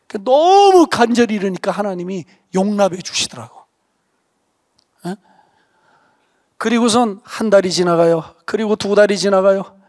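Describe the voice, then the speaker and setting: A man, a pastor, preaching an earnest revival sermon and telling his own testimony with emphasis, dropping to a hush for stress. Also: sits high, lively intonation, unhurried, pauses often, no room sound, studio quality. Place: church revival meeting.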